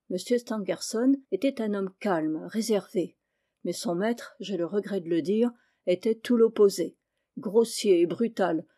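A respectable middle-aged landlady speaks with agitation, pleading her son's innocence, voiced by a woman reading an audiobook. The voice sits at a middling pitch with a soft, mellow tone. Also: natural voice.

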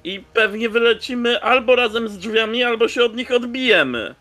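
A man's voice: very high voice, moderate pace, sharp tone. A man talking casually as a player in a tabletop role-playing game. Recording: music under the voice. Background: background music.

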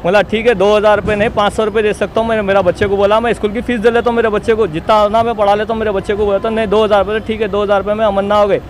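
High-pitched insistent young Hyderabadi man. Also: level tone, rapid-fire, few pauses. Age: young adult. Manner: insistent, repetitive, self-justifying. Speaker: interviewee giving a statement to local news. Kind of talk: spoken personal testimony to reporters. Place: outdoors beside a street wall. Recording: outdoor street noise behind.

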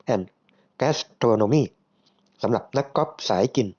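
A man voicing a bright young woman assistant from the north, soft and gentle, explaining her ideas politely. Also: medium pitch, expressive, normal speed, slightly rough, highs cut off. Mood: gently explaining.

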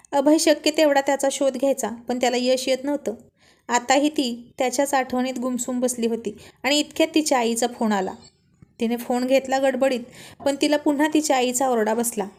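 A woman's voice: high voice, steady tone, normal speed, darkish tone. A woman reading a romance story aloud, voicing every character's lines in her own voice.

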